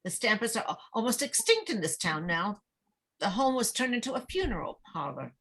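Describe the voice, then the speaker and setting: A woman acting as an anxious, needy middle-aged small-town mother in a script read, halting and stammering as she talks. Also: mid-range voice, sing-song, fairly bright tone. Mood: wistful, gossipy. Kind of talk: dramatic table read of a screenplay.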